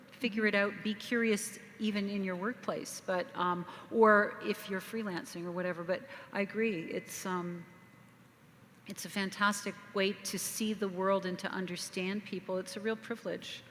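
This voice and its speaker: A woman's voice: medium pitch, a bit bright. A woman panelist speaking emphatically and giving encouraging advice. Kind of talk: panel discussion. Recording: reverberant hall, faint noise.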